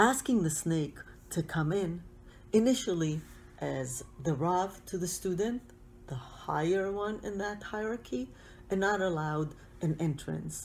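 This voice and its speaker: With a fairly low pitch, a woman with an Israeli accent talks at a fairly slow pace, her lively intonation broken by long, frequent pauses amid audible room echo. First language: Hebrew. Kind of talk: lecture.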